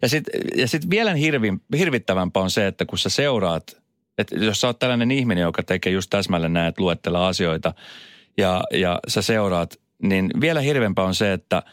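A man hosting a casual morning radio chat, musing aloud in a halting way with many fillers. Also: deep voice, animated, no room sound, clean studio sound. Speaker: radio host. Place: radio studio.

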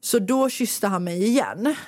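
A woman, a podcast host talking casually and telling a story in a lively way, acting out what others said. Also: medium pitch, no echo, clean studio sound. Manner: animated storytelling, acting out quotes. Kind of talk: casual chat.

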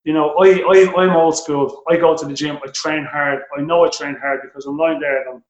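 A middle-aged man with an Irish accent, a boxing coach answering interview questions, animated and restarting his sentences often. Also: a little high, brisk, roomy sound, highs cut off. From Ireland. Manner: animated, repeats words when starting sentences.

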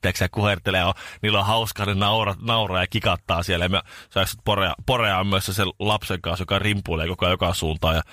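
A male radio morning show host telling a rambling, animated anecdote in casual chat, with many restarts. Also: sits low, hardly any pauses, no room sound, clean studio sound.

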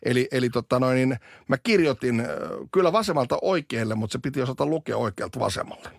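A man's voice: medium pitch, animated, vocal fry, no echo, studio quality. Chatty man on morning radio. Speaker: radio co-host. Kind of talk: casual morning radio chat.

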